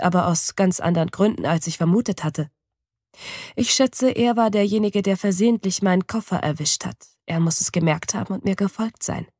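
A woman reading a novel aloud in the first person, with even, measured storytelling. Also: fairly low pitch, no room sound. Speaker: audiobook reader. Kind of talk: scripted first-person audiobook narration. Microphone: close studio mic. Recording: dry studio.

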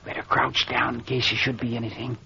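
An actor playing a stubborn, unflappable rustic small-town mayor, terse and folksy, in a 1940s radio mystery. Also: male voice, mid-range voice, little pitch movement, a little fast, creaky, pushed and bright, muffled recording. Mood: puzzled, dogged. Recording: noisy band-limited old radio recording.

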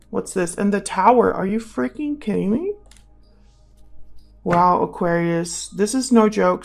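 A woman giving a casual tarot reading, thinking aloud and speaking straight to the listener in a conversational way, with gravelly vocal fry. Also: medium pitch, darkish tone. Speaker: tarot reader, channel host.

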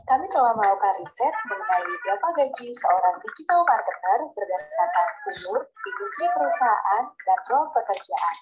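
A woman reading a scripted voice-over in an informative, steady way, played back from a video. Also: on the high side, moderate pace, few pauses, music in the background. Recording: dull lo-fi video playback.

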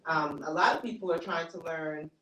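A woman author speaks casually to a small audience, filling pauses with "um" and laughing now and then. Her voice bounces around a roomy space and sounds somewhat off-mic. A faint hiss sits under it. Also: sits low, fairly even intonation. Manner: conversational, laughs easily, many fillers. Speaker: author giving a talk. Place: small bookstore cafe event space. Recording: echoey room, mic far off.

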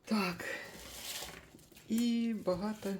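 An older woman chatting casually as she makes a breakfast smoothie in her kitchen, thinking aloud with small laughs. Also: medium pitch, steady tone, extremely slow, a little mellow, a little hiss or hum. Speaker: cooking vlogger.

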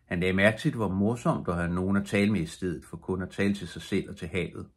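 An older man reads a bedtime story aloud in a calm, steady way. His voice is very low and husky. He keeps an even pace from line to line. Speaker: audiobook reader.

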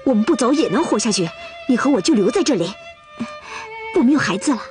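A headstrong, lovesick young Russian woman in a television costume drama. She keeps pressing her demand in a high, lively voice that climbs and dips a lot, with a music score swelling behind her. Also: quick pace. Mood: earnest. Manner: insistent, repeats her pleas over and over. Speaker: Russian woman in love with a herder.

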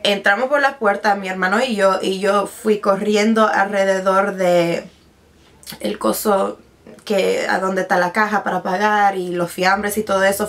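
A chatty twenty-something beauty vlogger records a casual vlog in her bedroom, seated at a vanity desk facing a camera at medium distance. She grew up speaking Spanish but now mostly uses English. Her voice is mid-range and a bit bright, and she frequently restarts sentences and mixes in English words.

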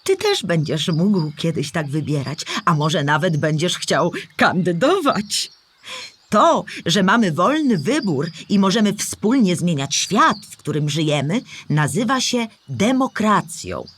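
A woman's voice: lowish voice, sing-song, unhurried, exaggerated voice. A woman playing a kindly old storybook animal who patiently explains history to a child in a children's audio play. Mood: patient, explaining. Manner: patient, clear explaining in simple words.

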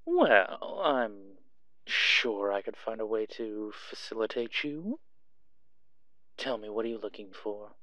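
A man's voice: lowish voice, animated, takes it slowly, sharp tone, no room sound, heavily acted. A man playing a sly, theatrical black-market dealer in an audio roleplay, coy, teasing and purring as he pries. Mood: smooth, boastful.

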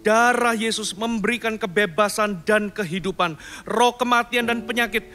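A male pastor with a high, bright voice delivers a devotional and a healing prayer. He moves from calm storytelling into fervent, commanding declarations. Faint music plays under him. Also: normal speed. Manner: calm, soft-spoken storytelling. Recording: studio voice-over with faint music behind.

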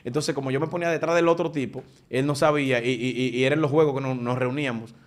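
A man, a preacher giving his testimony in an animated conversational way, often restarting his sentences. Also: medium pitch, fast. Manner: animated storytelling with frequent restarts.

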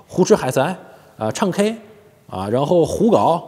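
Pitched fairly high and a bit rough, this man speaks at a measured pace while hosting a casual commentary monologue. Recorded on a lapel mic with long hall reverb, he keeps things animated and joking, laughing often and tripping over repeated words.

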